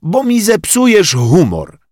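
A man voicing a cheeky kindergarten boy, high and squealing. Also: wildly swooping pitch, slow, darkish tone, dry recording, studio quality, heavily acted. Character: cheeky kindergarten boy rolling on the floor laughing.

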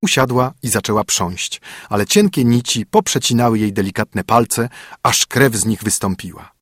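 A man narrating a fairy tale in a measured, steady storytelling manner. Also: on the low side, husky, no echo, studio quality.

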